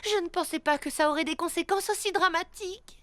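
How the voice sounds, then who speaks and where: Tiny, earnest, high-voiced cartoon girl. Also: brisk, a bit bright, no echo. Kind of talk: French cartoon dub acting.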